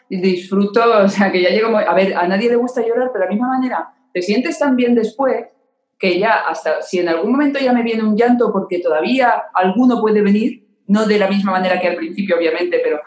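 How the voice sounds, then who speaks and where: Brisk and darkish in tone at medium pitch, an open-hearted woman appears as a podcast guest in a candid conversation. She speaks openly and emotionally, repeating words to stress them, in a roomy-sounding space.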